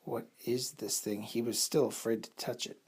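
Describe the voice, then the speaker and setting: A man makes up a bedtime story for kids, taking his time and stumbling a little, his voice slightly husky and breathy. His pitch sits in the middle range and his delivery stays flat.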